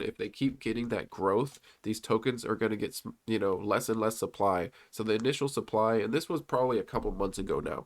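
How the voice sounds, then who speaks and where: A young man with a low, stuffy voice, congested from a cold, walks through investment slides in a loose, rambling way. He talks casually, full of fillers and false starts, and sounds like a regular on his own channel. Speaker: stock commentary YouTuber. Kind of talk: casual commentary over on-screen slides.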